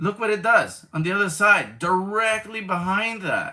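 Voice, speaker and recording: In a raised, projected voice, a man speaks with a bright, sharp tone and ordinary pitch variation. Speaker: coin collector livestreamer. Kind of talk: casual livestream chat. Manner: halting, many fillers.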